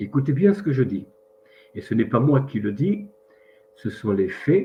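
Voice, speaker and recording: Somewhat breathy, a man speaks at a very slow pace with medium pitch and lively intonation. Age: 70s. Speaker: commentary vlogger. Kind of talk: opinion monologue. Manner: halting.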